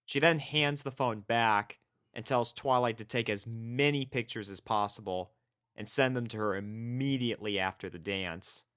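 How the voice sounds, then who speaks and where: A man's voice: medium pitch, normal speed, a bit bright, smooth. A man reading a first-person fan fiction story as its narrator.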